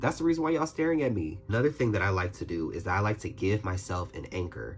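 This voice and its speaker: Somewhat breathy speech comes at a very fast pace with very wide pitch swings. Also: man. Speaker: self-help video creator. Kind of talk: advice monologue.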